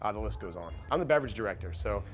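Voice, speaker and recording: A man's voice: on the low side, expressive, racing, over music. A man talking conversationally in a promotional interview as a beverage director. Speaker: beverage director of a bar and restaurant.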